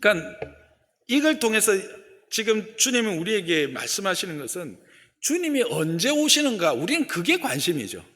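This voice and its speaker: A man with a high voice swings his pitch very widely at a moderate pace, with audible room echo around him. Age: 60s. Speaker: pastor. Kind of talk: sermon.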